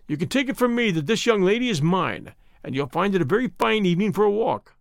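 A man's voice: high voice, animated, fast, gravelly, no echo, studio quality. A man voicing a savage, domineering young villain with a curt, sneering, threatening delivery in an audiobook. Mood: curt, menacing. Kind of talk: audiobook character acting.

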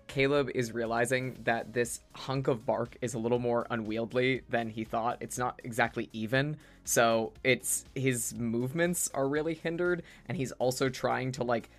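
A tabletop player narrating a character's actions in a rambling way full of fillers. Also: mid-range voice.

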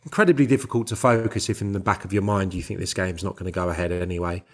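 A man giving casual football analysis as an ex-player pundit, in a measured, matter-of-fact way. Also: sits low, steady tone.

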